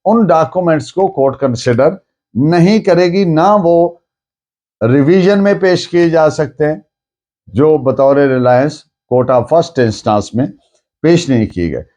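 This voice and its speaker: Speaking on the high side with a mellow quality, a man with a Pakistani accent lectures on law. His approach is deliberate and didactic; he rephrases points in plain words and uses English terms along the way.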